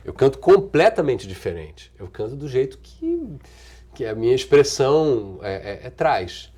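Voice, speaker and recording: With a warm, husky, medium-pitched voice that swings hugely in pitch, a middle-aged man with a Brazilian Portuguese accent answers interview questions. He's an actor and singer, relaxed and thoughtful, restarting, trailing off and chuckling often.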